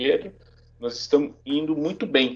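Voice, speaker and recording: This man has an unremarkable speaking voice, fairly high in pitch. He talks at a fairly slow pace with lively intonation. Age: 40s. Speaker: publisher and horror fan site founder. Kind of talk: podcast interview.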